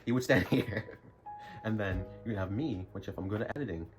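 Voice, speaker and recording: A man's voice: on the low side, a little fast. A young man telling a rambling school story in a casual vlog, full of jokey, self-mocking asides. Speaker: YouTuber. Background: music.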